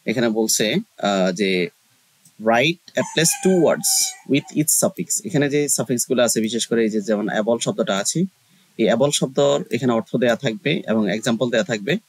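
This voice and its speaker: A man's voice: medium pitch, expressive, moderate pace, breathy edge, no room sound, rough recording. A man giving a casual English lesson, explaining step by step with frequent hesitations. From Bangladesh. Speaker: online English tutor.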